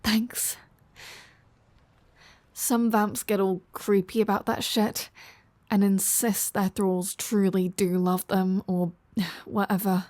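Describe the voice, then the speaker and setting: Woman acting a flirty, slow-talking vampire woman, dry sound. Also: mid-range voice, little pitch movement, darkish tone, dry recording, close to an everyday voice. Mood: defensive, frank. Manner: teasing, casual, sardonic, with sighs and drawn-out phrasing. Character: flirty, teasing female vampire, sardonic and casually foul-mouthed. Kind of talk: intimate roleplay audio drama addressed to the listener.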